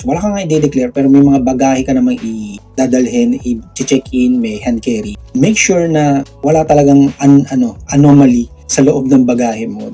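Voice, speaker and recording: A man's voice: mid-range voice, dark tone. A Filipino man with a slight Visayan accent, chatting through a screen-recorded tutorial and answering viewer questions, often checking in with "okay?". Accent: Visayan-tinged Filipino. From Philippines. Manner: chatty, explanatory, laughs often, frequent "okay?" tags. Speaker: vlogger.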